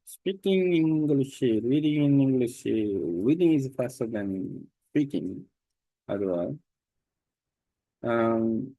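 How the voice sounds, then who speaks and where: A man with a Korean accent, a native Korean speaker, reading his own prepared text aloud in a careful, deliberate way with small slips. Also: on the low side, mellow, no echo, low-quality recording. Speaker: language learner sharing his study method.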